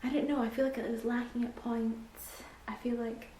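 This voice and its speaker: A woman's voice: fairly high pitch, level tone, moderate pace, dark tone. A young woman with a Scottish accent, chatting casually in a reading vlog from home, full of ums and sometimes dropping to near-whispers. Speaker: book vlogger. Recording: echoey room with faint background hiss.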